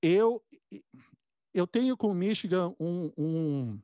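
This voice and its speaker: Mellow-voiced man interviewing, close and dry. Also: high-pitched, animated, dry recording. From born in the United States. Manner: halting, repeats words as he goes. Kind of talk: casual conversational interview.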